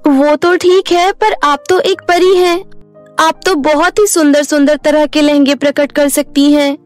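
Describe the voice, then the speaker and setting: A woman voicing a modest young village girl who sews, in an animated storybook. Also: high voice, a little slow, faint music behind. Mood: earnest. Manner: polite, modest and earnest. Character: sweet young village girl, humble seamstress. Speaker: voice-over artist.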